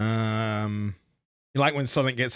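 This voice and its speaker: Against a silent background in a very clean recording, a man with a British accent speaks very slowly at a fairly low pitch. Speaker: gaming streamer. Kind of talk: live stream chat while gaming. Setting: live stream. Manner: casual, halting with fillers.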